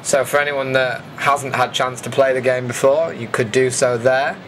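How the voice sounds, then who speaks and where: A man's voice: mid-range voice, fairly even intonation, moderate pace, a bit bright, a little hiss or hum, low-quality recording. A man giving a casual, dryly jokey voice-over commentary as the host of an event video.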